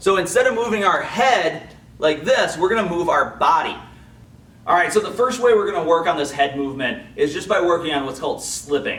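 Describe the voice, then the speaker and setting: Over noticeable background noise, a man talks at a fairly quick pace in an upbeat tone, with high pitch and lively intonation. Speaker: karate instructor. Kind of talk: martial arts tutorial talk to camera.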